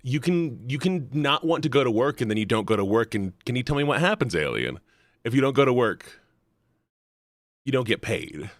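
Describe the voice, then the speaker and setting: A man's voice: medium pitch, big pitch swings, moderate pace, no room sound, clean studio sound. A man talking casually on a livestream, rambling earnestly and bluntly and repeating himself for emphasis. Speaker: live streamer.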